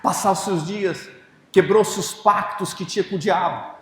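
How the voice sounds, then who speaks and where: A man with a Brazilian Portuguese accent preaching as a pastor, telling a personal story and breaking into loud shouted prayer. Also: high voice, fairly even intonation, unhurried. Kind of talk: sermon. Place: church hall. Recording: echoey church hall.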